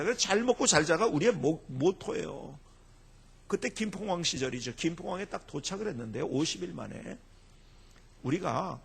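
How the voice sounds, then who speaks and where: A man's voice: fairly high pitch, gravelly, slightly rough. A middle-aged man from Chungcheong in South Korea, a pastor telling humorous stories in a revival sermon and mimicking people as he goes. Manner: animated storytelling, mimics dialect and quotes. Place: church sanctuary.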